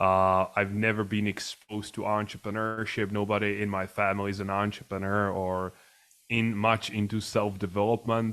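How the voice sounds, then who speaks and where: A man with a Czech accent and fairly low pitch talks at a moderate pace in monotone, flat intonation, in a very clean recording with a silent background. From Czech Republic. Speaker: entrepreneur, podcast guest. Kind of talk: interview storytelling.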